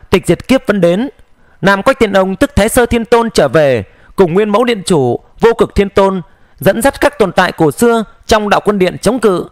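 A man voicing an old immortal whose last written words are read out, brisk and rueful. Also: high voice, dry recording, clean studio sound.

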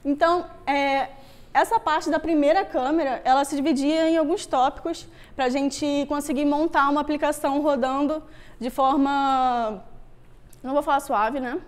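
Young brazilian lady w a carioca accent doing a laid-back tech talk, really high voice, chatty and slangy. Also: steady tone, moderate pace. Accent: Rio de Janeiro (carioca) Brazilian. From Rio de Janeiro, Brazil. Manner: casual, slangy, conversational. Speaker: Android developer, meetup speaker. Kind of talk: informal tech presentation. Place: meetup room with wooden floor, on stage before a screen.

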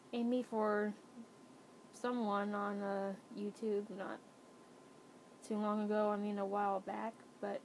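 A woman's voice: a little mellow, rough recording. A young adult woman chatting casually to viewers in a self-effacing, hesitant way, as an amateur voice actor. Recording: faint rumbly background noise.

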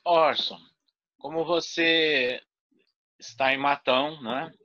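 An older man answering interview questions over a video call from his home study, speaking deliberately with frequent fillers and restarts. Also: a little high, steady tone, pushed and bright, no echo. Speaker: guest speaker. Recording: dull lo-fi video call audio.

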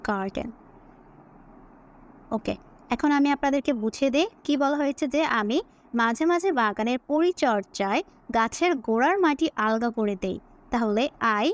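A woman with a Bengali accent teaching English, slowly dictating phrases word by word and explaining them, asking herself questions and answering them. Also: fairly high pitch. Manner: asks and answers her own questions. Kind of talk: slow dictation-style English lesson.

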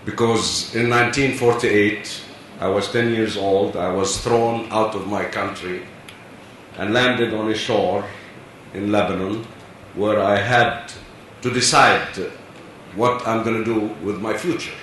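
A man's voice: fairly low pitch, steady tone, unhurried, a bit bright. A man in his seventies from Palestine, speaking earnestly and insistently on a conference panel. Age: 70s. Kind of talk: earnest personal speech. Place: large conference hall. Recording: echoey hall, distant mic, faint hiss.

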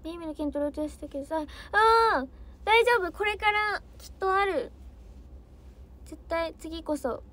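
A woman's voice: extremely high pitch, normal speed, fairly bright tone. A young woman, an idol trainee, chatting casually on a livestream, bubbly and easily flustered as she answers comments.

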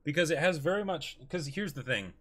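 A man's voice: on the high side, lively intonation, brisk, fairly bright tone. A man in his twenties talking casually as co-host of a livestream. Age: 20s. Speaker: streamer and co-host. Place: small room, indoors.

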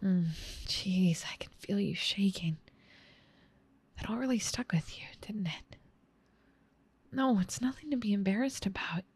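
A woman voicing a gentle, caring big sister in an ASMR roleplay, soft and slightly scratchy, tender and soothing, often whispering. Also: mid-range voice, measured pace, long pauses, husky. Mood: tender, reassuring.

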